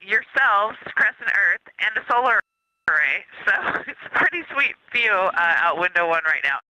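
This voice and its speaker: A high, very bright man's voice comes through a dull lo-fi space radio downlink. He is an astronaut talking from the cabin, crisp and dry, upbeat and thankful as he reports back to the ground. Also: lively intonation, normal speed, no echo. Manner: upbeat and appreciative.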